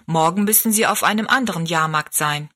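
Earnest storybook boy helper, deferential and direct, bright tone, read by a woman. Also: lowish voice, a little fast. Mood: earnest, helpful. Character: helpful, deferential lad at a travelling fair. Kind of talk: storybook narration.

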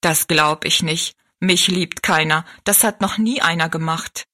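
Woman playing a bitter, overworked kitchen maid, bright but husky, storybook. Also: low voice, unhurried, heavily acted. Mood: weary. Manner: tired, blunt, complaining.

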